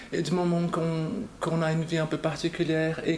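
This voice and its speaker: A woman's very deep, low voice at a moderate pace, with noticeable background noise and audible room echo. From Brazil. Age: 30s. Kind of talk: interview. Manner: halting, with many repetitions.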